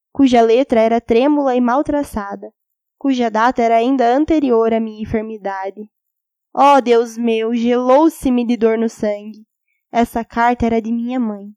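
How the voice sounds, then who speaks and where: Woman, fairly high voice, audiobook narration, solemn dramatic delivery, dry close sound. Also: darkish tone, no room sound.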